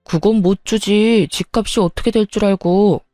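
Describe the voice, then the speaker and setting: A woman's voice: mid-range voice, steady tone, moderate pace, dark tone, dry recording, clean studio sound, faint music behind, close to an everyday voice. A woman voicing a petty, scheming young husband who talks in a blunt, dismissive way. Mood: cold dismissive.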